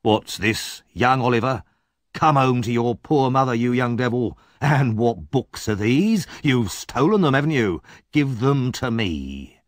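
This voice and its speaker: A man voicing a big, brutal thug who growls rough threats. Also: mid-range voice, lively intonation, a little slow, no echo, studio quality, natural voice. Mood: menacing.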